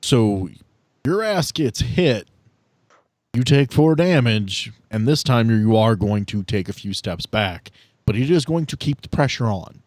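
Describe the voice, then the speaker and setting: A man's voice: medium pitch, animated, measured pace, darkish tone, dry recording, clean studio sound. A man acting as game master, narrating and making rulings in a casual, conversational style.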